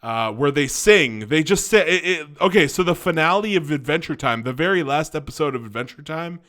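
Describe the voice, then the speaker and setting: A young man talking off the cuff about cartoons, his voice slightly stuffy from a cold. He sits a little higher in pitch than most men and keeps circling back, restarting his sentences and dropping in "um" and "like" as he goes. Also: expressive, brisk, a bit bright. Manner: rambling, many restarts and fillers. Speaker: cartoon review vlogger. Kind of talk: casual spoken review.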